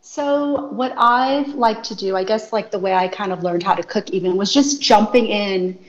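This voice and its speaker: A woman's voice: medium pitch, moderate pace. A woman calling in to a radio interview over the phone, telling stories casually with many fillers. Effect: over a phone line, on speakerphone. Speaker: guest chef and wellness consultant. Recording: muffled phone line, faint background noise.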